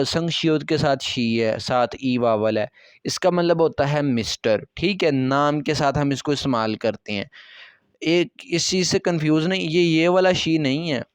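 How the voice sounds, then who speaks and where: A man's voice: on the high side, smooth, no echo. A man with an Urdu accent explaining a textbook language lesson, patient and repetitive, often checking that his listeners follow. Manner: patient, repeats key words, checks with "theek hai". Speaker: Korean language teacher.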